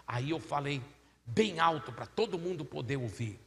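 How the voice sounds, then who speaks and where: A man preaching a sermon, telling a story and acting out every voice, swinging from loud to hushed. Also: fairly high pitch, animated, normal speed, creaky. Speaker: pastor. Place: large church hall. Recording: echoey church hall, faint noise.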